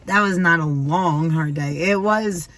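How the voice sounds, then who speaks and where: A woman's voice: lowish voice, measured pace, fairly bright tone. A tired woman who co-owns a landscaping business, chatting casually with viewers and trailing off in fillers after a long day. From Western North Carolina. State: tired, yawning. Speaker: landscaping business co-owner, vlog co-host.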